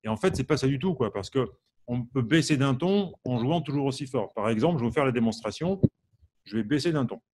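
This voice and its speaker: Animated and brisk, this man's mid-range voice has a darkish tone, with slight background noise in the clip. Teaching harmonica in a live online lesson, the Champagne-region Frenchman fills his speech with fillers while quizzing viewers and reading their answers aloud by name.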